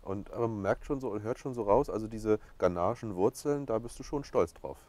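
A man's voice: lowish voice, a little fast, darkish tone, a little hiss or hum. A man in his thirties asking questions as interviewer in a casual sit-down talk. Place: open-air terrace by a training pitch. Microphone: lapel mic.

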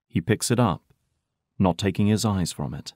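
A man with a fairly low voice narrates an audio drama. His delivery is scripted, dramatic storytelling. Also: normal speed, a little mellow, dry recording, studio quality.

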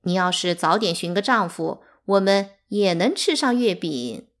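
A woman's voice: on the low side, unhurried, lightly acted. A woman reading aloud, voicing a scheming middle-aged concubine who speaks slyly, with false sweetness.

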